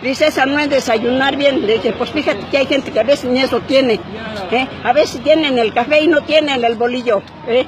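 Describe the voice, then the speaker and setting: A woman's high-pitched voice at a fairly quick pace with ordinary pitch variation, dry with no echo, and crowd noise in the background. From Mexico. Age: 80s+. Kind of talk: interview answer. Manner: angry, blunt. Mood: earnest, indignant. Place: street. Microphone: phone near.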